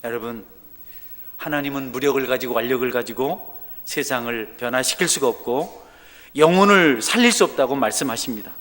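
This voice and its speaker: Male preacher in a church sanctuary, mid-pitched, soft asides building to forceful appeals, long hall echo. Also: normal speed. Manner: swings from soft, low talk to loud, emphatic exhortation. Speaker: pastor. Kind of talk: sermon.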